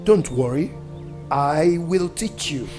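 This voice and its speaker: A man with a Nigerian accent playing a fervent, resolute Christian mentor in a gospel audio drama, speaking emphatically and deliberately. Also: fairly high pitch, animated, over music. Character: fervent, resolute Christian mentor, brother rallying for spiritual battle.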